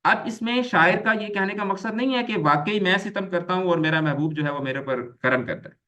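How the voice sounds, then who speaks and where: A man's voice: high voice, fairly quick, bright, forceful tone. A man teaching an online grammar lecture, explaining patiently, repeating key terms and mixing English words into his explanations.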